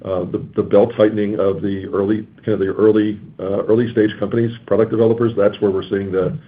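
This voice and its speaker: A low-voiced man gives unscripted executive answers in a flat tone, restarting and repeating words. The line sounds like a phone call. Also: fairly quick. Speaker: company chief executive.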